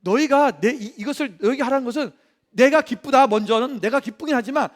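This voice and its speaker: A male pastor preaching a lively sermon in a church, often questioning the congregation. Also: very high voice, fast. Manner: lively, asks the congregation questions and acts out quotes.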